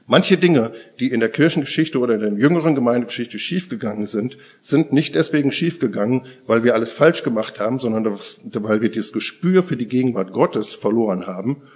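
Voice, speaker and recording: A man preaching to a congregation at a church service, with a voice of ordinary middle pitch. He speaks earnestly in slow, deliberate phrases and often drops to a hushed, intimate murmur. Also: animated. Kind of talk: sermon.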